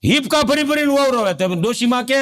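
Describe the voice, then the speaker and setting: High-voiced man spinning a village comedy story. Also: lively intonation, fast talker, background noise. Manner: rustic storytelling, acting out family quarrels. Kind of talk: folksy stand-up storytelling.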